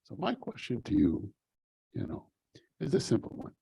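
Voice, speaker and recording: An older man moderating a public conversation, asking questions in a measured, reflective way with frequent fillers. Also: medium pitch, huge pitch swings, vocal fry, dark tone, husky, no room sound. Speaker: host, interviewer.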